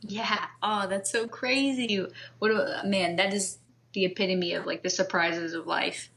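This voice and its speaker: A woman guest on a podcast, talking in a relaxed, thoughtful way with frequent fillers. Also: mid-range voice, unhurried, vocal fry. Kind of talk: casual conversation.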